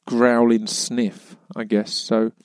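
A man's voice: medium pitch, flat delivery, slow, clear, resonant tone, dry recording, clean studio sound. A British man hosting a podcast, chatting casually in a rambling, self-deprecating way. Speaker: podcast host. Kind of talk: casual chat.

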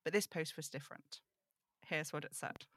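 Woman acting as reflective female broadcaster, lowish bright voice, dry close sound, confiding and wistful, audio drama monologue. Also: a little hiss or hum. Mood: grave, explanatory. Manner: measured, confiding, wistful storytelling.

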